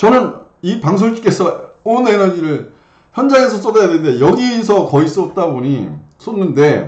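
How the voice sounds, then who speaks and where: Amid audible room echo, a man talks at a fairly slow pace in a high voice with very wide pitch swings. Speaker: horse racing tipster. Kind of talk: solo racing preview broadcast.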